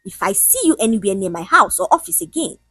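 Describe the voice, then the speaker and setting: A woman voicing a rich, cruel, arrogant woman boss who talks in a sharp, scornful, barking way. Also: fairly high pitch, big pitch swings, fast, breathy edge, dry recording, full character voice. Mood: venomous.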